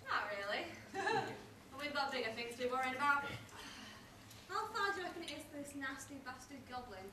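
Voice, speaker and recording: A woman's voice: high voice, animated, brisk. A British woman playing a sulky, foul-mouthed male sidekick with sarcastic bluntness in an amateur stage pantomime. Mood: aggrieved. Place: theatre stage, distant camera. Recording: very echoey theatre from far, audience noise.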